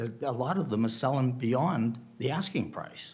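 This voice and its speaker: A man's somewhat breathy, medium-pitched voice with audible room echo. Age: 70s. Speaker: town official / planning board member. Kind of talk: public meeting remarks. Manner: halting, many fillers and restarts.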